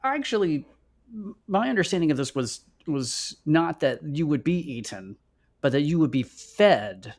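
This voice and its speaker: A man co-hosting a casual chat in an animated, inquisitive way. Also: on the high side, normal speed. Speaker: show co-host.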